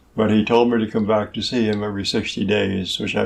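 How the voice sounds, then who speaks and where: A man with a fairly low pitch and a Midwestern US accent, fairly quick and in a monotone, flat intonation. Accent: General American, Midwestern. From US Midwest, Ohio. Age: 80s+. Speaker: meditation teacher. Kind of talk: interview. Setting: meditation center.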